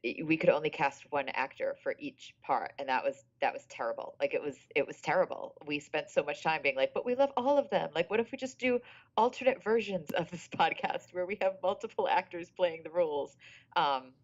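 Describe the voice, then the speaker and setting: A woman with a low voice chats casually as a podcast creator. She is emphatic, circling back over phrases, and the recording is a little dull. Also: brisk. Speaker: podcast creator giving commentary. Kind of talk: casual, chatty behind-the-scenes commentary.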